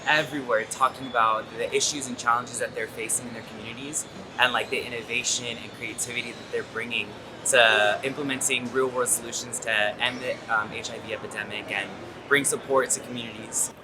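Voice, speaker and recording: Casual, upbeat organizer from Texas. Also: male voice, medium pitch, brisk. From Texas, US South. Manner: casual, enthusiastic, uses "like". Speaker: harm reduction organizer. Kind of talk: short testimonial interview. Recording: steady background noise.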